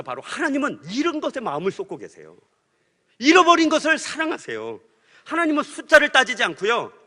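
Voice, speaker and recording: A middle-aged man preaching a sermon through a personal story, swinging from hushed storytelling to loud, animated outbursts. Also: extremely high pitch. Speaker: pastor. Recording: hall reverb.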